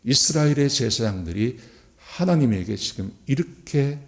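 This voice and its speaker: A man's voice: medium pitch, moderate pace. A man preaching a sermon as a pastor, addressing the congregation directly and acting out quoted speech. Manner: acts out quoted speech in lively voices.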